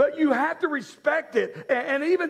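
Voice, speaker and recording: An animated man with a Tennessee accent, at a moderate pace. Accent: Southern US (Tennessee). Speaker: pastor. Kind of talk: sermon. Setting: church with congregation.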